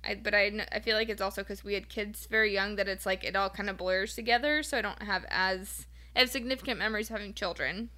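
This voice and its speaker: A woman's voice: medium pitch, fairly even intonation, fast talker, sharp tone. A woman in her thirties co-hosting a podcast in casual, chatty talk, laughing often. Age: 30s. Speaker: podcast co-host. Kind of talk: casual chat.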